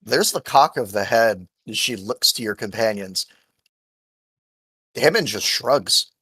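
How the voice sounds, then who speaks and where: A man runs a tabletop game as game master, narrating scenes at a slow pace. His voice is medium in pitch, a little husky and dryly recorded. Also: expressive, bright, forceful tone, no room sound.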